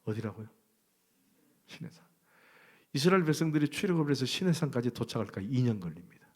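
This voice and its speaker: A middle-aged man preaching a sermon, talking conversationally and asking the congregation questions. He swings from loud emphasis to hushed, near-whispered lines. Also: mid-range voice, big pitch swings, very fast. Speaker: pastor.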